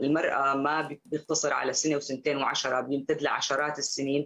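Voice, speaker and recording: A woman's very deep, low voice in a monotone, flat delivery at a moderate pace. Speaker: opposition politician. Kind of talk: radio interview.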